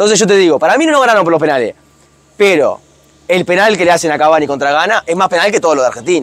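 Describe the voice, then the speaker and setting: Over noticeable background noise, a man with a high pitch talks at a very fast pace with lively intonation and very even loudness. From Uruguay. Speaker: football content creator. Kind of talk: casual chat. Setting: football stadium.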